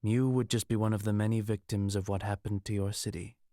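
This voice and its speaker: A deep-voiced, emotionless mage who kills , played by a man for an audiobook. He states threats as plain fact, cold and detached. The sound is dry, with no room around it. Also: brisk, no room sound, natural voice. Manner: flat, menace-free, matter-of-fact delivery. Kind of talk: audiobook character acting.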